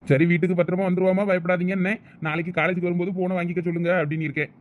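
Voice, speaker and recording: A man plays a chatty middle-aged police officer in a cartoon, with a Thoothukudi Tamil accent. He speaks very fast and in a high voice, and he explains everything in long stretches. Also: little pitch movement, natural voice. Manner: rapid, chatty, explaining at length. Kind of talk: cartoon voice acting.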